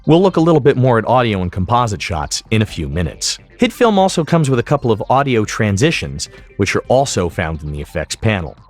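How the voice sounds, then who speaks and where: A man narrating a software tutorial as an instructor, explaining each step methodically. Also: fairly low pitch, sing-song, fairly quick, hardly any pauses, soft background music. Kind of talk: instructional screen-recording narration.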